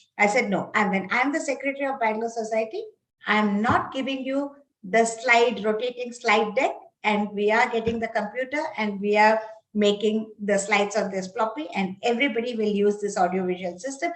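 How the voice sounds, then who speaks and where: Speaking with a Kannada accent, a woman talks at a fairly quick pace in a fairly high pitch with ordinary pitch variation. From India, Mumbai. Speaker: obstetrician and gynecologist. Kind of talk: interview.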